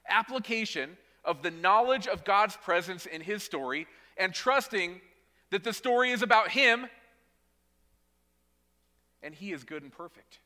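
A male pastor preaching a sermon in a church. He speaks emphatically, repeats words as he goes, and drops to quiet, weighty lines. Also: sits high, animated, unhurried, pauses often, long reverb tail. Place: church sanctuary.

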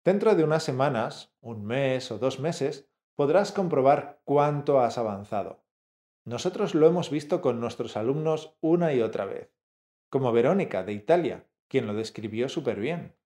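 A man co-hosting a language lesson, measured and explanatory, speaking straight to the learner. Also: medium pitch, expressive, dark tone. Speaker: language teacher, co-host.

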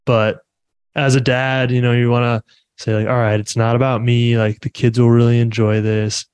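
A man's voice: mid-range voice, flat delivery, normal speed, a little mellow, smooth, no room sound. A man hosting a podcast, talking in an easygoing, chatty way and laughing often. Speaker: podcast host. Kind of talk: casual interview chat.

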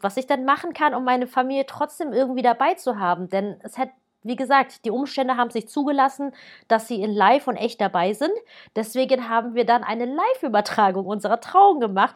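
A woman in her thirties, born in Germany, talking casually and directly to the listener as a wedding planner giving advice. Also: sits high. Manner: chatty, lively, speaks directly to the listener.

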